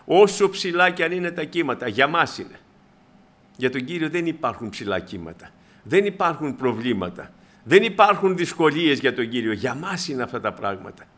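A male preacher delivering a sermon in an animated storytelling manner. His voice swings widely in pitch and sounds bright and forceful. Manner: animated storytelling, acting out the people in his stories.

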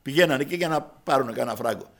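A man's voice: mid-range voice, expressive, a bit bright. A man preaching a sermon, telling a story and addressing his listeners as brothers, acting out the dialogue. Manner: acts out dialogue in quoted voices.

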